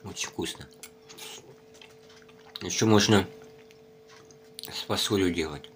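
A man vlogging casually to his viewers while eating, talking with his mouth full and chewing, in a relaxed, rambling way. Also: deep voice, slow, a little hiss or hum. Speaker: mukbang vlogger. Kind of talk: casual chat to camera.

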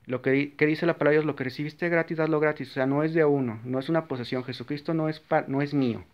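A man with a Mexican accent giving a blunt, forceful, rambling monologue about his faith, with frequent restarts. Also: fairly high pitch, steady tone, quick pace. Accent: Mexican Spanish. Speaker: Catholic video maker. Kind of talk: informal religious monologue. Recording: slightly dull, lo-fi recording.

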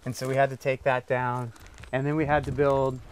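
A man's voice: medium pitch, little pitch movement, brisk, a little hiss or hum. A man in his forties, a farmer and craftsman, explaining his handmade off-grid setup step by step while walking around his small farm, indoors and out. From United States. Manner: earnest, practical, explains step by step. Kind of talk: casual explanatory tour.

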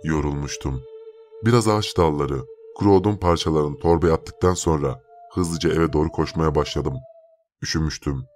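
Very deep-voiced male horror narrator. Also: moderate pace, darkish tone. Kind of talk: first-person horror story narration. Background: faint music.

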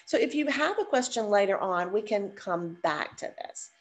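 A woman's voice: medium pitch, animated, normal speed. An older woman teaching dementia care over a video call, chatty and encouraging, her voice stuffed up from a cold. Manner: chatty, encouraging, addresses audience as y'all. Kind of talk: live online teaching session. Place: living room, seated on a sofa. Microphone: webcam on a video call.

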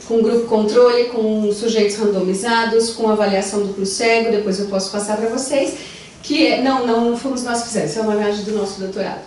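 A young adult woman with a Brazilian Portuguese accent gives an animated conference talk as a psychologist, gesturing as she walks the stage with a handheld mic. Her voice is medium-pitched with a little hiss or hum. Recorded by a far-off camera in a large wood-panelled lecture room, the sound is echoey.

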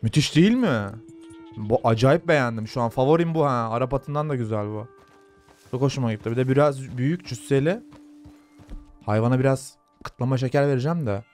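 A young man casually commenting on his gameplay, chatting to his viewers and softly calming a horse in the game. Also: mid-range voice, fairly quick, faint music behind. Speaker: gaming YouTuber. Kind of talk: casual let's-play commentary.

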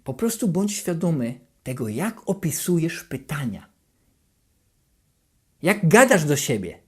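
A self-help channel host giving a motivational talk to the viewer, animated and repetitive, dropping into a hushed, anxious voice to act out inner thoughts. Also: medium pitch, slow, slightly rough. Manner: repeats and rephrases questions over and over.

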